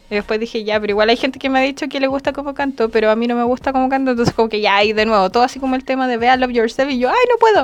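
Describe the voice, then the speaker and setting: A woman with a Chilean accent talks at a very fast pace in a high pitch, with hardly any pauses. Noticeable background noise runs under her voice. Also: fairly even intonation. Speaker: podcast co-host. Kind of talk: casual chat.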